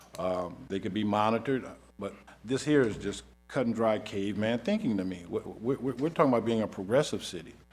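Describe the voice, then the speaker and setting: Speaking at a fairly quick pace, a man with an unremarkable speaking voice keeps his intonation fairly even. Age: 60s. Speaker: city council member. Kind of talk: council meeting debate. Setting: council chamber meeting.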